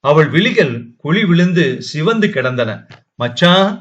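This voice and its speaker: Male storyteller, higher voice, dull sound. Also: unhurried. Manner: steady dramatic reading. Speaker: audiobook narrator. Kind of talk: storybook narration. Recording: dull lo-fi audio.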